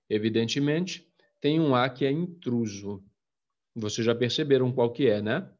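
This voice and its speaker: A man with a Brazilian Portuguese accent teaching a literature class on video, his voice at an ordinary middle pitch. He explains step by step and keeps checking that his students follow. The recording sounds a little dull and lo-fi. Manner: explanatory, addresses students as "gente", frequent "né?" and "tá?".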